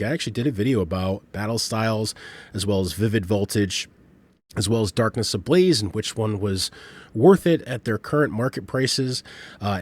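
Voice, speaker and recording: A man hosting a casual market update video, still a little sick with flu in his voice, talking in an informal, halting, rambling way. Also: lowish voice. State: getting over flu, slightly off, sick-sounding voice. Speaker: host of a trading card market channel.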